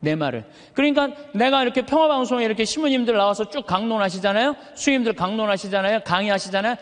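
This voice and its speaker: A man's voice: animated, quick pace. A man, a Catholic priest with a thick, carrying voice, preaching emphatically to a live audience with rhetorical questions. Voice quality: high but thick, full voice that carries. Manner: emphatic, uses rhetorical questions and stretched words for effect. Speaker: Catholic priest giving a lecture. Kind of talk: animated motivational sermon to a live audience. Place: large hall, speaking to an audience. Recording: reverberant hall.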